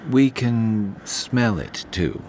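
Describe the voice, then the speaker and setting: An actor playing a deadpan fantasy adventuring companion in a game, dry and terse. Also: male voice, on the low side, very slow, a little hiss or hum. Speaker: game character. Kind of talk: scripted video game dialogue.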